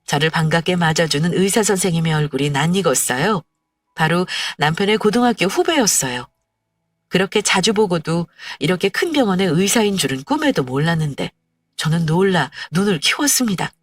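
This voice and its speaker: A woman's voice: fairly low pitch, lively intonation, brisk, dry recording. A woman reading a first-person story in a plaintive, scripted narration, recorded dry and slightly distant. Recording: dry, a little distant, faint music.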